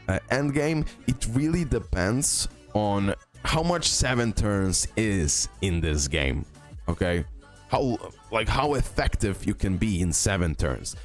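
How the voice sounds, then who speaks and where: A man giving casual, informal gaming commentary as a content creator, often repeating himself for emphasis. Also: on the low side. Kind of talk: casual gaming commentary over a tier list. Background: background music.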